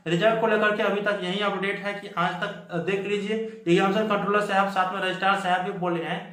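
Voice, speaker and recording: A man's voice: high-pitched, little pitch movement, fast, sharp tone. A man giving an emphatic explanatory update to viewers, repeating his points, as host of a student news channel. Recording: echoey room.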